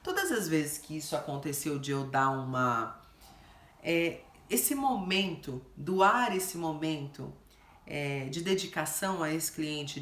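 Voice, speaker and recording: Speaking with a Brazilian Portuguese accent, a woman host gives casual advice in an animated, chatty way, acting out quick bits of what her clients say. Her voice is low-pitched, and the room sounds echoey.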